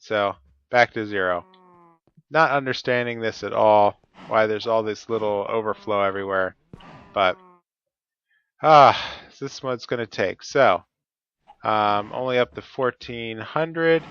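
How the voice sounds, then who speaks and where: A man's voice: on the low side, measured pace, fairly bright tone, smooth, dry recording, dull audio. Stuffy-voiced man narrating his gameplay. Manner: methodical, talks through each step. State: stuffy from a cold. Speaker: Let's Play host. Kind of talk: casual gameplay commentary.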